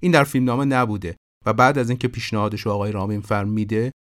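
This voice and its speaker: A man hosting a podcast, narrating production history in an informative, steady way. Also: on the low side. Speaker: podcast host. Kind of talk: scripted narration about film production.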